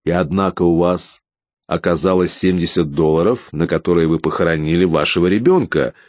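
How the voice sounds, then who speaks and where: A man reading an audiobook, voicing a smug, petty male welfare official who questions coldly and turns shrill when scared. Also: a little fast, no room sound, natural voice. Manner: smug and coldly calm, turning hysterical.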